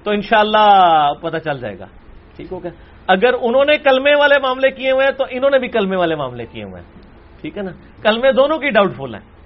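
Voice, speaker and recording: Animated man lecturing. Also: high-pitched, highs cut off. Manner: forceful, animated, swings between loud emphasis and quiet asides. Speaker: religious scholar answering questions.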